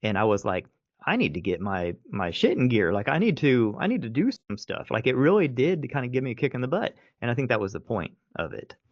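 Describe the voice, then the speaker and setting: A man's voice: medium pitch, sing-song, fairly quick, no echo. A man hosting a podcast, talking casually and rambling with many restarts and fillers. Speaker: podcast host. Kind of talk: casual conversation. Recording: dry muffled podcast audio.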